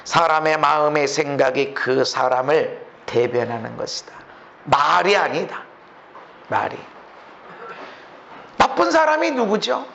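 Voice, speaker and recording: A man preaching a sermon as the pastor of a Korean church, posing many rhetorical questions and swinging between loud emphatic lines and low quiet asides. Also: very animated, measured pace, vocal fry, long pauses, slight background noise. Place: church sanctuary. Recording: echoey church hall, dull lo-fi sound.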